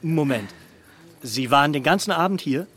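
An actor playing a brusque, suspicious police officer with a commanding, questioning manner in a radio crime drama. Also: male voice, fairly high pitch, expressive, moderate pace, a bit bright.

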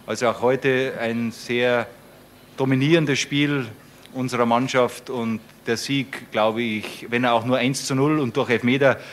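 Man, flat intonation, sports interview, deliberate and firm, faint background noise. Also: mid-range voice.

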